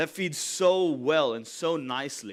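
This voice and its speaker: On a very clean recording with a silent background, a man talks in an animated tone with lively intonation. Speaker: church speaker. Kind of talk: sermon. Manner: loud.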